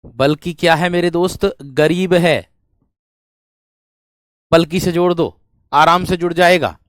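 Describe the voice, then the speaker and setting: A Hindi grammar teacher, a man with a fairly high voice, speaks in a steady tone at a measured pace, and there's no room sound. He runs a classroom grammar lesson, dictating example sentences, repeating phrases, and frequently asking familiar rhetorical questions to make sure students are following.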